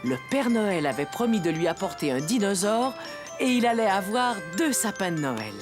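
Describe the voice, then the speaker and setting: A woman's voice: mid-range voice, big pitch swings, normal speed, music in the background. A woman narrating a children's cartoon story as a scripted storyteller.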